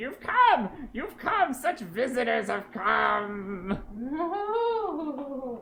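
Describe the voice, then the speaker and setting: The voice is a put-on character voice with a high pitch. It moves at a very slow pace. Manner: silly, singsong, gleeful.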